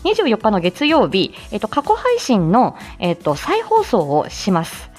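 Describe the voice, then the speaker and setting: A woman's voice: medium pitch, huge pitch swings, unhurried, soft background music. A woman hosting a live stream in a casual, chatty way, often laughing between phrases. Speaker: livestream host.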